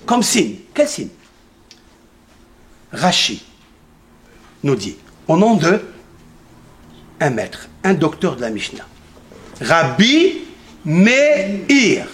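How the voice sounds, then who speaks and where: Animated man teaching a synagogue class. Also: on the high side, slow, pauses often. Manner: asks the audience questions and answers them himself; emphatic, repeats key numbers. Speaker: rabbi teaching a Torah class. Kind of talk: lively Torah lesson to a congregation.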